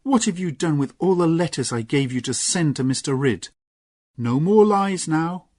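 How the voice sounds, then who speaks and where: Storybook reading: male narrator doing a pleading young lady, husky and dry-sounding. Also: mid-range voice, lively intonation, measured pace, darkish tone, no echo, pitched above the performer's own voice. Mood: stern. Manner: pleading, emotional. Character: young noble lady, loving and earnest.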